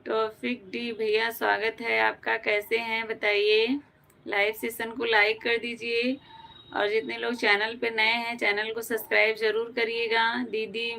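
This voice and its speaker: A woman from Uttar Pradesh chats through her live stream, greeting viewers by name and answering their comments one after another. Her voice sits a little high and sounds bright. She keeps a fairly even, level delivery as she talks. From Uttar Pradesh, India. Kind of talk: casual live chat reading viewer comments.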